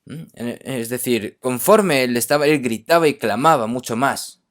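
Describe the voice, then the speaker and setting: A man's voice: medium pitch, moderate pace. A man from Korea preaching a sermon emphatically, often checking in with his listeners.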